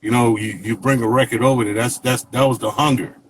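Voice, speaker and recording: A man's voice: mid-range voice, brisk, low-quality recording. Laid-back Jamaican-born guest in his fifties, rambling anecdotes, faint hiss behind. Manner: relaxed, rambling, many fillers and "you know what I mean". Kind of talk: casual interview storytelling.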